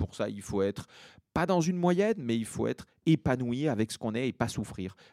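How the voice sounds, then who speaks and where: In a very clean recording with a silent background and a dry, close sound with no echo, a man speaks at a moderate pace in a dark, mellow tone. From Corsica. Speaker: comedian. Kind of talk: casual chat.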